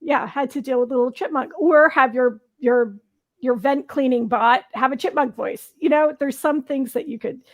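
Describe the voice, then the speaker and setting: A woman's voice: sits high, normal speed. A woman co-hosting a talk show, speaking in a casual panel discussion.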